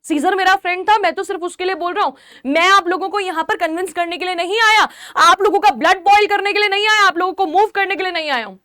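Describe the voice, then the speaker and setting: A young woman with a very high voice teaches a literature lesson for exams. She goes through the text line by line, repeating key phrases and checking in with her students. The sound is dry, with no room echo. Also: fast talker, hardly any pauses, sharp tone. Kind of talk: exam-prep literature lesson.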